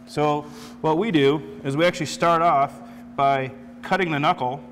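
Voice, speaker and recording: A man's voice: on the high side, normal speed, long reverb tail, slight background noise. A man in his forties, a chef walking through a cooking demonstration step by step in a studio kitchen. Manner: explanatory, steady step-by-step instructions.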